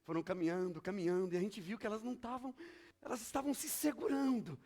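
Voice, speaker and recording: A man's voice: high voice, steady tone, fast talker, creaky, darkish tone. A male pastor, preaching a sermon with emphatic, repetitive storytelling.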